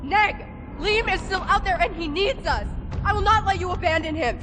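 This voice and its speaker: Game role: fiery, defiant young female pilot, very high voice, over loud music. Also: animated, moderate pace. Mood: furious, defiant. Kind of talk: video game cutscene acting. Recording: loud game soundtrack behind voice.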